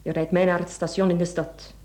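Actress doing a bossy flemish wife in a radio drama, cold, clipped, totally in control. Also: female voice, lowish voice, little pitch movement, a little fast, darkish tone, close to an everyday voice. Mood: cold, scheming. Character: cold, calculating, domineering wife taking charge of a crime. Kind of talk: Dutch-language radio play acting.

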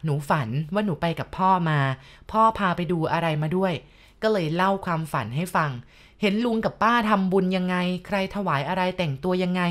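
A woman narrating a ghost story to her listeners, speaking politely and addressing them directly. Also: fairly low pitch.

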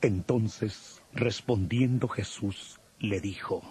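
Male scripture narrator, low and very husky, solemn storytelling delivery. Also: slow pace, a little mellow, dry recording. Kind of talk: scripted narration of a dramatized audio Bible.

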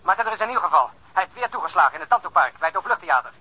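Casting: alarmed male caller, high, racing voice on a telephone line, radio play. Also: very animated, racing, bright, forceful tone, breathy edge, heavily acted. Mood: urgent, alarmed. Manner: urgent, alarmed. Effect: telephone filter. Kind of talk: radio drama acting.

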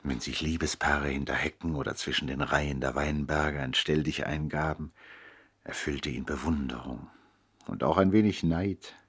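An actor playing a nobleman who recounts his brother's life as narrator of a 1960s radio play, in an expressive, deliberate literary manner. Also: rumbling low, husky, exaggerated voice. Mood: reflective, narrating.

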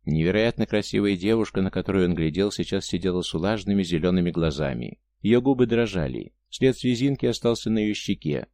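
A man narrating an audiobook in a calm, measured storytelling manner. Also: low-pitched, no echo. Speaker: audiobook reader. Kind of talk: scripted narration.

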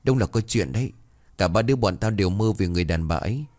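A man's voice: fairly low pitch, lively intonation, quick pace, darkish tone, no echo, lightly acted. A man voicing a worried schoolgirl friend sharing gossip. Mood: urgent.

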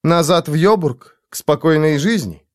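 A man's voice: a little high, moderate pace, voice pushed up, natural voice. Jisbella, a man voicing a pleading young woman. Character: young woman, shaken and ashamed.

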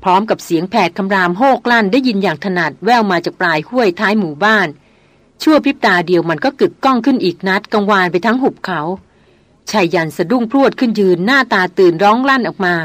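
A woman narrating a novel in an audiobook, telling the story in a steady, clear way. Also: medium pitch, a little fast, dry recording. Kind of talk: reading a novel aloud.

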